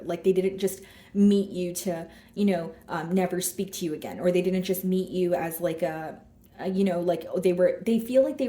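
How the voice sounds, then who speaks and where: A woman with a hoarse, scratchy throat reads tarot cards for her viewers, thinking aloud as each card turns up. Her voice sits fairly low and sounds mellow and soft-edged. The sound is roomy, with noticeable echo around her. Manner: thinks aloud while drawing cards, speaking straight to viewers. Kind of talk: casual tarot reading to camera.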